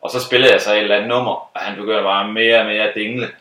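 A man telling a funny story about a gig he was hired to play, in casual chat, laughing often. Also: on the low side. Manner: lively, laughs often, acts out other people's voices. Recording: roomy sound from a distant mic.

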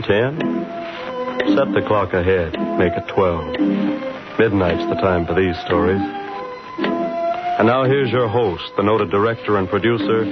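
Very deep 1940s radio announcer, loud music. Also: male voice, dull audio. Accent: American.

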